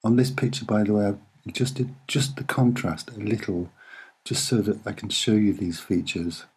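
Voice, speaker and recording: A soft-spoken man giving unscripted commentary on images in short, deliberate, hesitant phrases. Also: lowish voice, slightly rough. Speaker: amateur presenter explaining photographs.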